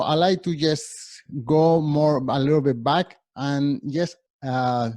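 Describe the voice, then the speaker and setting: A middle-aged man with a Spanish accent presenting a workshop over a video call, often restarting words and filling pauses. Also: a little high, darkish tone, no echo. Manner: halting, many restarts and fillers. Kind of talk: workshop talk.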